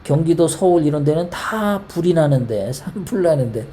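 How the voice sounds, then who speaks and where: Korean lady ranting about politics, lowish mellow voice, fired up, rambling, keeps asking questions back. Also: lively intonation, moderate pace. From South Korea. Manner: heated, rambling, full of rhetorical questions. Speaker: political commentary host. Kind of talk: casual political monologue.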